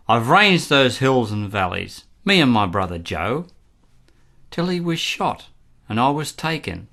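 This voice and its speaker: A man's voice: mid-range voice, fairly bright tone, heavily acted. An actor playing a doomed Aboriginal bushranger, reciting his life as ballad verse in a radio play.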